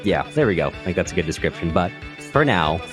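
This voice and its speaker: A man's voice: low-pitched, sing-song, fast, music in the background. A man co-hosting a podcast, casually discussing literature and hesitantly repeating words as he thinks. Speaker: podcast co-host.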